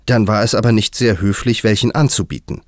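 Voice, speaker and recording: A man's voice: fairly low pitch, big pitch swings, moderate pace, no echo, studio quality, pitched above the performer's own voice. A man voicing a prim young girl who speaks in an indignant, proper way. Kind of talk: audiobook character voice.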